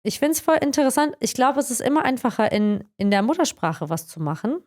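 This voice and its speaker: A woman's voice: sits high, very animated, brisk, darkish tone. A woman interviewing a colleague in a casual chat, talking freely and often ending with tag questions. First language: Croatian. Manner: chatty, frequent tag questions "ne?".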